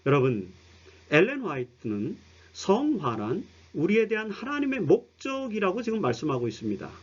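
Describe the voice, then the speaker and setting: A man's voice: high-pitched, huge pitch swings, moderate pace, breathy edge, muffled recording. A man teaching a broadcast Bible study lecture, explaining earnestly and speaking straight to his listeners. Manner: earnest explanatory preaching, addresses listeners directly.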